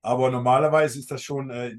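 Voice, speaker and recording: A man's voice: medium pitch, steady tone, a little fast. A man from the Netherlands with a Dutch accent, a native Dutch speaker hosting a podcast in casual talk, searching for words with small grammar slips. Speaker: podcast host.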